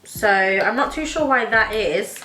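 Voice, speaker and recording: Bright, chatty young woman. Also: medium pitch, expressive, unhurried, reverberant, slight background noise, rough recording. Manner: chatty, enthusiastic, many "like" fillers. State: wheezy from hay fever. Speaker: beauty vlogger. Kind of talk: casual makeup tutorial chat. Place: home makeup room, indoors.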